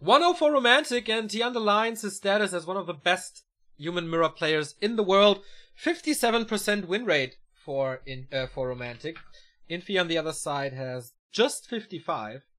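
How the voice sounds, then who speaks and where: Man, live game commentary, sharp bright tone, excitable play-by-play, chats with viewers, home streaming setup. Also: high voice. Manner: fast, excitable play-by-play that climbs when the action peaks; chatty and relaxed between matches, talks to viewers. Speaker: esports caster.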